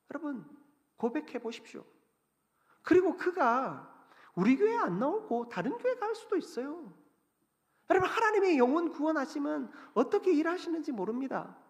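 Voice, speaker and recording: A male pastor preaching a sermon, swinging between loud emphasis and hushed, near-whispered lines. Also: very high-pitched. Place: church sanctuary. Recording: long church reverb.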